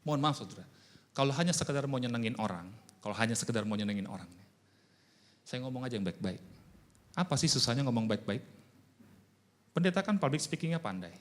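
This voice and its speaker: Male pastor, lively sermon storytelling, acts out both sides of each dialogue. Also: mid-range voice, fast, pauses often. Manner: animated storytelling, voices both sides of conversations.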